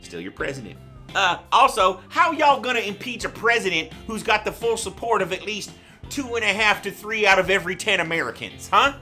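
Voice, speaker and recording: A man playing a brash, loudmouthed redneck guest who rants crudely and rambles on a comedy show. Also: high voice, animated, fairly quick, faint music behind, full character voice. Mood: ranting. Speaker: guest ranter.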